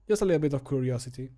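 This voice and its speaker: A streamer in his thirties who also does voice acting for fun chats casually in a warm, mid-range voice. He's in a small room at home, close to a desk microphone, joking, putting himself down in good humor, and making playful sounds while he works.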